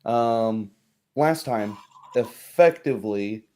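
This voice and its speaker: A tired man chatting casually as game master and host of a livestreamed tabletop game, giving a recap in a halting way. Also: lowish voice, a little mellow.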